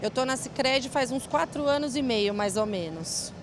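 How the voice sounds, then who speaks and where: A woman's voice: high-pitched, expressive, moderate pace, background noise. A young woman from São Paulo city, a bank branch manager answering interview questions cheerfully into a handheld mic in a large event hall. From São Paulo city, Brazil. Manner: cheerful, laughs easily. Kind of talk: casual interview chat. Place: large indoor event hall with rows of chairs.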